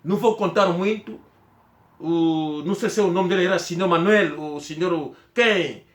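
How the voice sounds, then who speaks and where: Angolan man, rambling storyteller, roomy sound. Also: sits high. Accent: Angolan Portuguese. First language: Kikongo. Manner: rambling, halting, with frequent restarts. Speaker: vlogger. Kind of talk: personal storytelling to camera.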